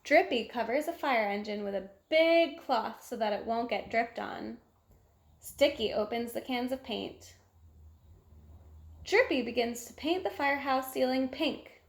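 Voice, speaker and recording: A woman reading a children's picture book aloud in an expressive, animated way, with exclamations. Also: on the high side, unhurried, gravelly. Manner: animated, exclamatory, acts out sound effects. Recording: echoey room.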